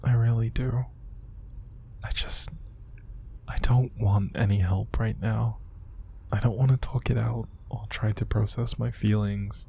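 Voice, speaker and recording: Breathy, gravelly, downcast young man, acted. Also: lowish voice, full character voice. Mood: sad, resigned. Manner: halting, sighing, hushed, naturalistic delivery. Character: upset, exhausted young man bottling up his sadness. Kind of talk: intimate audio roleplay monologue to an unseen listener.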